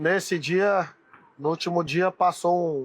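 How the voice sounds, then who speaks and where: A man's voice with a high pitch. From Brazil, Pará (Oriximiná). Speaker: football director, former player. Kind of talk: casual storytelling interview.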